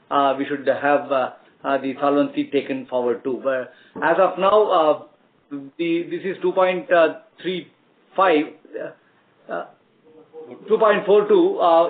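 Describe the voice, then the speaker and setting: Halting Indian male executive on phone line. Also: fairly high pitch. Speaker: company executive answering analysts. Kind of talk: earnings call answers. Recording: tinny phone-like conference line.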